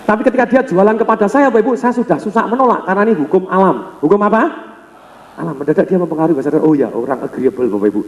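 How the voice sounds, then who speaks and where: An energetic Indonesian man leads a sales seminar with a high, fast-moving voice, often calling on the audience to answer him. He sounds like he is in a large hall, with a long echo that hangs after each phrase. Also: lo-fi sound. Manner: energetic, calls on the audience for responses; acts out customer dialogues. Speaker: sales trainer. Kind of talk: motivational seminar lecture. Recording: echoey hall reverb.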